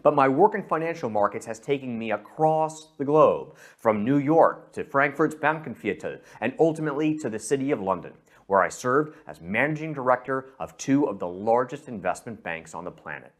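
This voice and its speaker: A man's voice: mid-range voice, animated, moderate pace, few pauses. Persuasive middle-aged American man. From San Francisco, USA. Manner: persuasive, addresses the listener directly. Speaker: investment director presenting. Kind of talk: scripted investment sales presentation.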